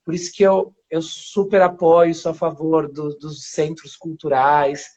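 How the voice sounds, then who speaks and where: A man from Paraíba who grew up in São Paulo and speaks with a São Paulo accent, a guest actor chatting casually in an interview, rambling with restarts and soft laughs. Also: a little high, measured pace. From Paraíba, Brazil. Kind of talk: casual interview on a live stream. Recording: dull lo-fi live stream audio.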